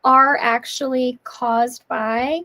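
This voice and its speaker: A woman's voice: sits high, steady tone, slow, pushed and bright. A woman guest on a video call, talking in an emphatic, opinionated way during a casual live-stream chat.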